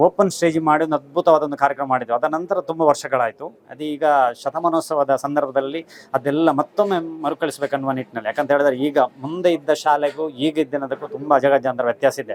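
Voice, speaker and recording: This man has an unremarkable speaking voice, fairly high in pitch, with fairly even intonation and a dry, close sound with no echo. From coastal Karnataka, India (Belthangady area). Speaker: school alumni committee secretary. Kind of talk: interview.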